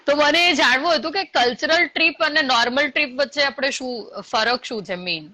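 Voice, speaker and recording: A woman with a high, bright voice interviews a guest. She asks curious, eager questions and chimes in with short affirmations. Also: fairly quick.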